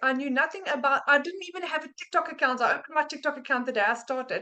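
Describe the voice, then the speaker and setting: Raised and projected, a woman's high, bright, sharp voice races at a very fast pace in an Afrikaans South African accent. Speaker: digital marketer. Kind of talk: testimony. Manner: halting, many fillers and restarts.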